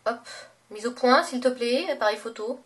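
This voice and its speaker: Young woman, beauty vlogger, fairly high voice, gushing, chatty, lots of fillers, recorded a bit far from the mic. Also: moderate pace, fairly bright tone. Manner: chatty and gushing, many fillers and self-corrections. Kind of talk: casual makeup haul vlog.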